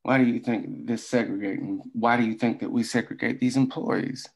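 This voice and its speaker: A stern mine boss acted by a man speaks in a creaky, gravelly voice at a middling pitch. He is formal and admonishing, moralizing as if in a drama table read. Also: fairly even intonation, normal speed, natural voice, low-quality recording. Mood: stern, threatening.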